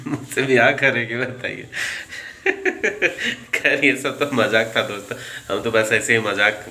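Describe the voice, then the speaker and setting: ज़ोर से बोलता, गूंजते कमरे में आदमी. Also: male voice, medium pitch, pushed and bright. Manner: chatty, ranting, laughs often. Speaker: vlogger. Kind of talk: casual opinion vlog. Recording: echoey room.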